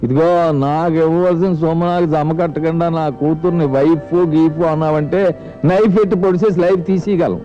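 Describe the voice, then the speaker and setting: An older actor playing a gruff, threatening father-in-law who demands his money, from an old comedy film. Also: fairly high pitch, fairly even intonation, fairly quick, mellow, close to an everyday voice. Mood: demanding. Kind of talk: 1990s comedy film dialogue. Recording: dull old film soundtrack with music.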